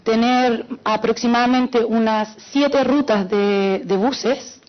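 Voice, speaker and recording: A woman's voice: a little high, fairly even intonation, slow pace. A woman from Chile with a Chilean accent, speaking from the audience and explaining her point earnestly with many hesitations. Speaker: audience member asking a question. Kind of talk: audience comment at a panel. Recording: dull lo-fi conference audio.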